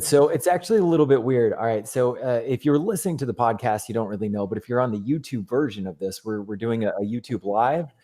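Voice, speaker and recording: A man hosting a casual sports podcast, his voice hoarse and giving out, talking in a loose, rambling way from an echoey, half-empty office. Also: mid-range voice, warm tone. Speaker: podcast host.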